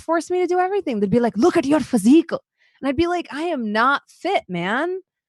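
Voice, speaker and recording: A woman with an American accent swings her pitch very widely at a moderate pace, the sound dry and close with no echo. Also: hardly any pauses. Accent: slight Indian-English on some words. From US, then India from age ten. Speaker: podcast co-host. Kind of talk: casual chat.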